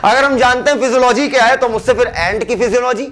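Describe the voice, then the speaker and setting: A man's voice: extremely high pitch, quick pace, fairly bright tone, a little hiss or hum. A man teaching a biology class in a chatty, teasing manner. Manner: chatty, teasing, addresses students as beta. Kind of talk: classroom lecture.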